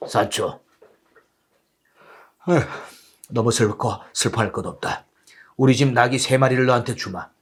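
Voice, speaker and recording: A man's voice: mid-range voice, a little slow, long pauses, slightly rough, voice pushed down. A man voicing a gallant, deluded old knight with a solemn, declamatory manner in a storybook tale. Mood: soothing.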